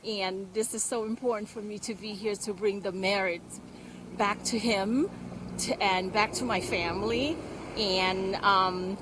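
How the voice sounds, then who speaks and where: In a street interview outdoors in the cold, a woman from Thailand answers questions earnestly and haltingly, pausing often, using many fillers and reaching for words. Her middle-pitched voice has fairly even intonation, with a faint outdoor hiss behind her.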